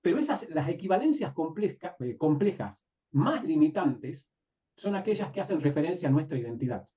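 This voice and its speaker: A man teaching a live class, often pausing to ask his students whether they follow. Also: on the high side, very animated, warm tone. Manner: asks the class frequent checking questions. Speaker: NLP teacher. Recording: distant, dull lo-fi room recording.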